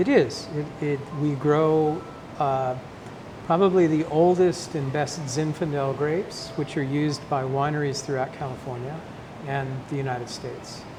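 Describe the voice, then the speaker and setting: Speaking at a moderate pace with fairly even intonation, a man with a fairly high pitch is heard against audible room echo. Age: 60s. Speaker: patient, retired physician. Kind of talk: interview testimony.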